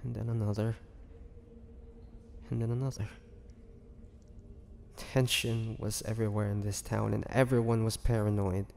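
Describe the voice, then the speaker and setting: Male actor as melancholy male half-vampire, low mellow voice, halting confiding delivery, audio drama monologue. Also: level tone, gravelly. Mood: somber. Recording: long reverberant hall, faint noise.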